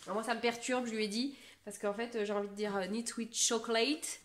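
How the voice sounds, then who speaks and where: A woman's voice: medium pitch, steady tone, fast. A woman in her thirties from France, chatting casually to camera about her knitting, rambling and self-mocking with lots of fillers. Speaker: knitting vlogger.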